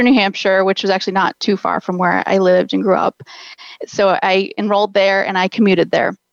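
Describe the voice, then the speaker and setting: With a dry, close sound and no echo, a woman with an unremarkable speaking voice talks at a fairly quick pace in a medium pitch. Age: 30s. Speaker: college financial aid counselor. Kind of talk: personal story in interview.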